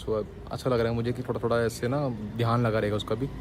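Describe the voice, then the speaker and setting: A young man talks casually to his phone camera for a daily vlog. He teases and jokes in easy banter, with a middle-pitched voice. Clear background noise runs under the recording. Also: level tone, fast. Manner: joking, teasing banter. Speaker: vlogger.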